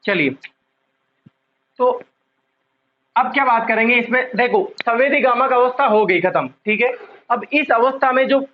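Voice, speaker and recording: A man's voice: very high-pitched, muffled recording. A male psychology teacher giving an online exam-prep lecture, repeating key terms and quizzing the class often, drawing out the important words. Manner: drawn-out emphasis on key words.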